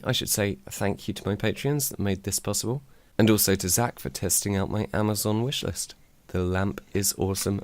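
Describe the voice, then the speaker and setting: This low-voiced tech reviewer sounds darkish, clear, and resonant as he goes over a microphone with casual, dry, self-deprecating humor. He's captured on a desk microphone attached to a mic arm, with no room sound at all.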